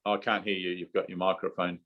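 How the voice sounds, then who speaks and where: A man's voice: low-pitched, little pitch movement, fast, highs cut off. Casual man teaching over a video call. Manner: informal, repeats "okay?" and "right?" to check in. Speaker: spiritual teacher leading a satsang.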